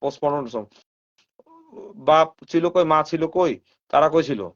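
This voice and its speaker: A man hosting a live stream with a slightly high voice. He comments casually, fires rhetorical questions at his viewers and drops English phrases into his talk. The sound is dull and lo-fi, like a live stream. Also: normal speed. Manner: talks straight to viewers, asks them rhetorical questions.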